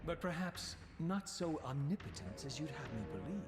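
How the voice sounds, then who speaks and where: A man voicing a proud, bitter, eloquent undead wraith in a gothic video game, with formal, measured, sardonic diction over music. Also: on the high side, very animated. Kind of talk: theatrical gothic video game narration and dialogue.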